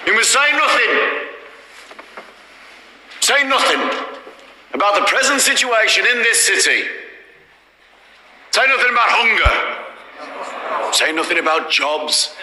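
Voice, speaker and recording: A commanding Birmingham gang boss. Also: male voice, high voice, sing-song, sharp tone, full character voice. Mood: cold, commanding. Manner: slow, measured, with long weighty pauses. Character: hard, commanding male gang boss turned politician. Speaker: political speaker addressing parliament. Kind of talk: dramatic series acting. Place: large hall. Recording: echoey hall reverb, faint noise.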